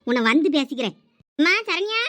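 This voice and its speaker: Brief: a woman as a domineering village mother with a Thoothukudi accent, rapid and high-pitched. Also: expressive, no echo. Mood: scolding. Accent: Thoothukudi Tamil. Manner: scolding, domineering. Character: scolding village mother, bossy and loud. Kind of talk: village comedy skit.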